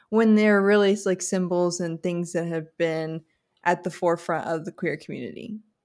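A woman with a plain, everyday voice, a moderate pace and fairly even intonation. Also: fairly low pitch for a woman. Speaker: podcast host. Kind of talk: casual chat. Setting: remote recording.

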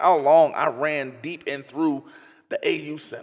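The speaker is a man with fairly high pitch. His intonation is lively. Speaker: podcast host. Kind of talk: angry rant, heated monologue; monologue with ad reads. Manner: impassioned, loud, indignant, emphatic.

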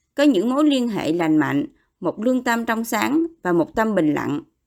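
A woman's fairly high voice with a calm tone, vocal fry and very wide pitch swings, at a moderate pace, in a very clean recording with a silent background. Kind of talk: audiobook reading aloud of a Buddhist teaching text. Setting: recorded audiobook, solo narrator. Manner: even, steady, measured narration; formal, calm and instructive, with few pauses between sentences.

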